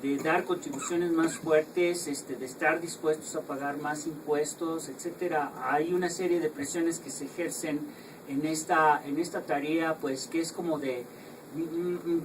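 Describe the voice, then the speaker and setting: A man with a Mexican Spanish accent interpreting and summarising at a public talk, deliberate and hesitant. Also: on the high side. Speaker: interpreter and moderator. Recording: distant mic, faint noise.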